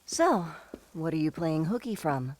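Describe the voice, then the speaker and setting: A woman's voice: low voice, sing-song, a little slow, darkish tone, no room sound. An actress playing a poised, protective middle-aged mother and lawyer in an audio drama, articulate and firm but kindly. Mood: friendly, teasing.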